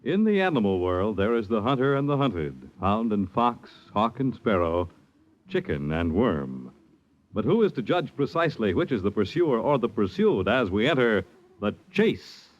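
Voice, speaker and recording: A man's voice: lowish voice, sing-song, muffled recording. A male radio announcer giving a formal, dramatic show close. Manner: measured, dramatic. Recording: old radio over music.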